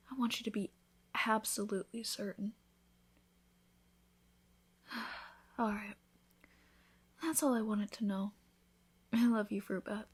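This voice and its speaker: A woman with a medium-pitched voice plays an affectionate, teasing newlywed vampire in an intimate ASMR roleplay. She speaks softly, tenderly, and breathily, with a reassuring, loving mood.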